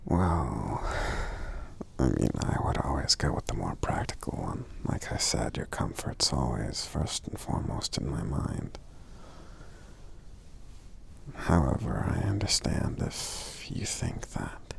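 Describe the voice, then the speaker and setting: A man voicing a gentle, sleepy, affectionate giant in a soft-spoken ASMR roleplay, murmuring slowly and hesitantly in a gravelly half-whisper. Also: rumbling low, big pitch swings, a little hiss or hum, exaggerated voice. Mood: thoughtful, gentle. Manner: slow, hesitant, murmuring with frequent hums.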